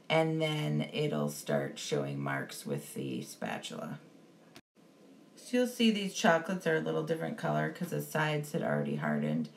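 A woman giving a relaxed, step-by-step baking lesson as a voice-over, with frequent ums. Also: low voice, vocal fry, slight background noise. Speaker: baking instructor. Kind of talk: instructional voice-over.

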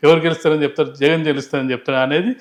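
A quick-speaking man. He explains politics off the cuff as an analyst, stressing points by saying them again. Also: on the high side, fairly even intonation. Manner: emphatic, explanatory, repeats phrases for emphasis. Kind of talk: unscripted political commentary in an interview.

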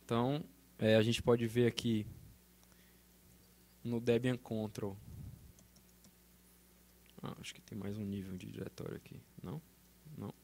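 A man's voice: lowish voice, level tone, measured pace, gravelly, pauses often, darkish tone, slight background noise. A man with a Brazilian Portuguese accent giving a technical conference talk, explaining step by step with frequent check-ins on a hall microphone. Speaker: conference speaker. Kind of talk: technical talk with live demo. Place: conference auditorium stage. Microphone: handheld then podium microphone.

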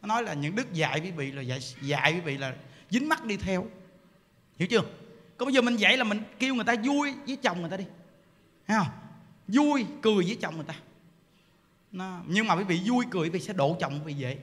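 Monk, lively joking sermon, high bright voice, temple hall reverb. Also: male voice, quick pace, long pauses. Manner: animated, joking, acts out voices of congregants. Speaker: Buddhist monk preacher. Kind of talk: lively dharma talk. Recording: hall reverb with faint ambience.

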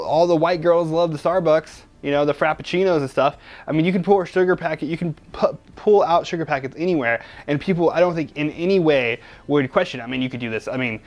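Young man, magic review host, casual, chatty, rambling, joking, slightly high voice. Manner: chatty, rambling, joking, many restarts and fillers.

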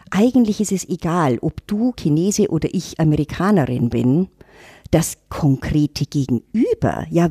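A woman's voice: low voice, warm tone, breathy edge, no echo, clean studio sound. A middle-aged woman, reflectively telling her story on a podcast. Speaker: intercultural trainer, guest. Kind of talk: casual podcast talk.

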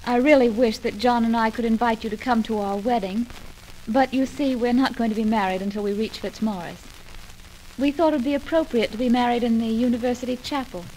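A woman's voice: on the high side, fairly even intonation, brisk, a little mellow, natural voice. A woman playing a smug romantic rival in an old radio soap, sweetly condescending and polished, on a noisy old recording. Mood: falsely sweet. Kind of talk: 1940s radio soap acting.

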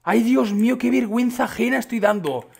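A young man with a Spain Spanish accent giving casual, excitable commentary on his gameplay, chatting to his viewers and breaking into sudden shouts. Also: very high-pitched, a little fast, creaky, slightly rough. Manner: chatty, addresses viewers as chicos. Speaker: gaming YouTuber.

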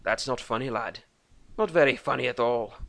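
A man voicing a gruff, boisterous male dwarf with a put-on Scottish-Irish brogue. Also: mid-range voice, moderate pace, dry recording, close to an everyday voice. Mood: rowdy. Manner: loud, boisterous, gravelly.

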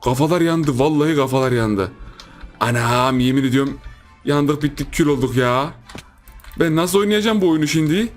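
A man's voice: fairly high pitch, moderate pace, soft background music. A young man giving casual, joking gameplay commentary, full of exclamations and laughter. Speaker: gaming YouTuber.

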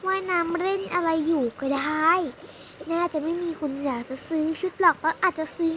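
Very high-pitched girl acting out roleplay. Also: fairly quick, noisy background. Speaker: storyteller voicing every character in a toy roleplay video. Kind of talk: improvised dollhouse roleplay drama.

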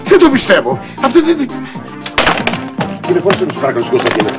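A middle-aged actor playing a flustered doctor and guilty husband in a TV sitcom, frantic and remorseful. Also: male voice, a little high, huge pitch swings. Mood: panicky. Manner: frantic, then remorseful and pleading. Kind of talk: TV sitcom acting. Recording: music under the scene.

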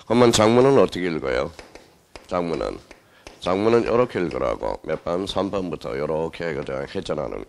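A man's voice: deep voice, darkish tone. A male exam-prep lecturer teaching a class, who asks the students questions, answers them himself and repeats the key words.

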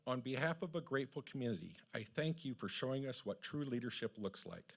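A man's voice: medium pitch, expressive, a little fast, gravelly. A man giving a prepared tribute at a public meeting, speaking in a formal, declamatory way. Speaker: public commenter. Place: city council meeting room, at public podium.

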